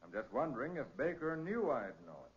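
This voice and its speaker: Brisk, probing male private eye, husky voice, vintage 1940s radio drama, dull recording. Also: medium pitch, very animated. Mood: probing, businesslike. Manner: probing, questioning, decisive. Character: brisk, shrewd male private detective, master sleuth.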